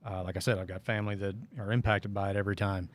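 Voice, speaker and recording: A man's voice: sits low, little pitch movement, racing. A middle-aged man from Northeast Arkansas, hosting a casual podcast and telling rambling, sarcastic stories. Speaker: podcast host.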